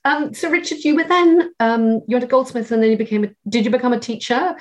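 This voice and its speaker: A woman's voice: a little high, quick pace. A woman with an English accent, interviewing a guest in a conversational, chatty style. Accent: English, not noticeably Cornish. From Cornwall, England. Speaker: interviewer with drama school training.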